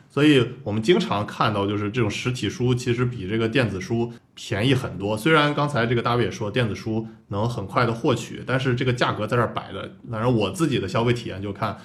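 A lower-pitched man hosts a tech podcast and talks at a brisk clip. He works through his view one numbered point at a time, in a relaxed, chatty way. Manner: lays out arguments point by point. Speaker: podcast host. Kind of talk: casual chat.

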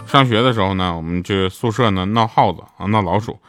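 Over loud background music, a man with a lowish voice briskly promotes his show as a radio drama voice actor. He chats casually through a monologue of humorous stories, laughing at his own punchlines.

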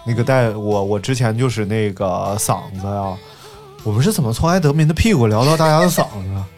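A man's voice: lowish voice, expressive, quick pace, a little mellow, soft background music. A man co-hosting a podcast in casual chat, with joking, teasing banter. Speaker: podcast co-host.

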